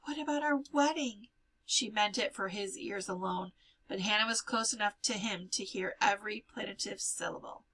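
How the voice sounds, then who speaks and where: A woman reading a novel aloud in an expressive storybook style, giving life to the dialogue. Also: mid-range voice, normal speed, breathy edge, poor audio.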